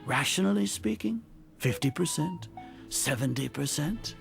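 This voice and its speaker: An actor playing an imperious older grand sage in a video game, a cold schemer who speaks formally, deliberately and with condescension. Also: male voice, a little high, expressive, creaky, full character voice. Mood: condescending, accusing. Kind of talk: scripted video game voice acting. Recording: game dialogue over loud music.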